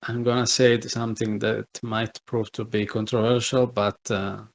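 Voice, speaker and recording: A man's voice: lowish voice, flat delivery, moderate pace, creaky. A man co-hosting a gaming podcast, speaking hesitantly with lots of fillers and teasing the others. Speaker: podcast co-host. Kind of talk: casual gaming podcast chat.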